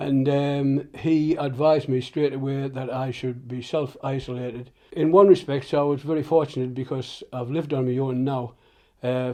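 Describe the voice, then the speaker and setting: Delivered at a moderate pace in a North East England accent, this voice has a dark, mellow tone and a flat, monotone intonation. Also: man. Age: 70s. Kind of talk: interview answer.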